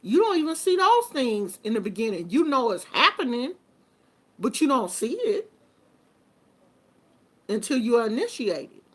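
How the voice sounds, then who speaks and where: Casting: woman in her fifties, relaxed and chatty host talking straight to viewers. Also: on the high side, measured pace, long pauses, husky. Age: 50s. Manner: chatty and informal, with colloquial phrasing. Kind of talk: casual live chat with viewers.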